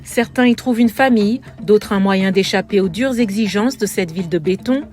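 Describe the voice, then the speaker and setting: Female reporter, voice-over news narration, measured and lyrical, soft music bed underneath. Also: medium pitch.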